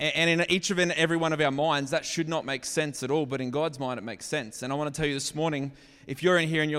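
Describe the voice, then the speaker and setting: Very fast and with fairly even intonation, a man speaks in a fairly high voice with an Australian accent. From Queensland, Australia (Sunshine Coast). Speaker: lay preacher. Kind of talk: sermon. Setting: church.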